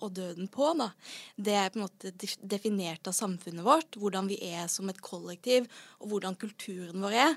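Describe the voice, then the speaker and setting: A woman speaks at a moderate pace and a medium pitch on a very clean recording with a silent background. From Southern Norway (Sørlandet). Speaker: childhood cancer survivor and speaker. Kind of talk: interview. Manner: hesitant, with many fillers.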